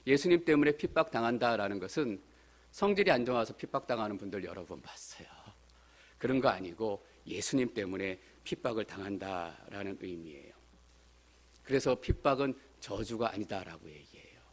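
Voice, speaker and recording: A man's voice: lowish voice, animated, moderate pace. Earnest male pastor preaching. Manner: earnest preaching, rising to emphatic appeals. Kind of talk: sermon. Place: church sanctuary.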